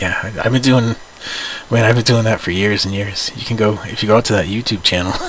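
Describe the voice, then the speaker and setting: A fairly low-pitched man with a Boston accent, very fast pace and fairly even intonation, over noticeable background noise. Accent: Boston accent, self-remarked. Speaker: trading educator. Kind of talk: live trading session. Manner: casual, filler-heavy, repeats words.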